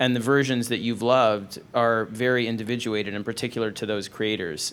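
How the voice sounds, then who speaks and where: A man speaks with an American accent in a normal speaking voice. His pitch is medium and his intonation fairly even, at a moderate pace. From New York City. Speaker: comic book writer. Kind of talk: panel discussion, casual conversation. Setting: stage with audience.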